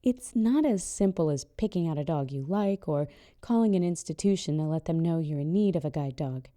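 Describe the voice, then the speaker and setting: A woman narrating a podcast in a calm, measured, scripted way. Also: sits low.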